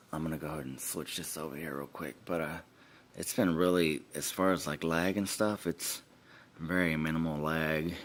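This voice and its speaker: A man mumbles at a moderate pace. His very deep, low voice keeps fairly even intonation. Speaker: tech tutorial youtuber. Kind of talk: tutorial. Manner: mumbling; casual, hesitant with fillers.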